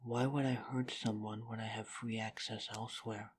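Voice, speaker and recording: A woman playing a guarded but devoted young vampire in an audio drama, recorded with some low rumbling noise. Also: flat delivery, normal speed.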